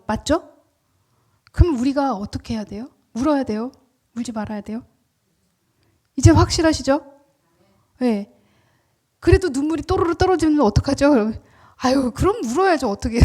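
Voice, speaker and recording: A woman preaching a sermon in a church, lively and questioning her congregation. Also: a little high. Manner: animated, acts out quoted words, asks the congregation questions.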